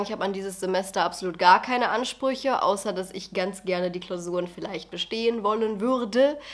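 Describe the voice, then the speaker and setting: A young woman in her twenties, a medical student with a cold, chatting casually into a camera held close in her bedroom. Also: mid-range voice. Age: 20s. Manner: chatty, rambling, mixes in English phrases. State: stuffy with a cold. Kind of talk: casual vlog chat. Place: small bedroom. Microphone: camera at arm's length.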